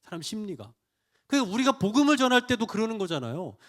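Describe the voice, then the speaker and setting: A middle-aged man preaching at a church prayer meeting, animated and full of rhetorical questions to the congregation. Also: sits high, quick pace. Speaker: pastor. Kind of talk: sermon.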